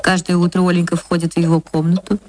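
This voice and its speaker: A woman narrating a literary radio play in a measured, expressive way. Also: fairly low pitch, a little hiss or hum.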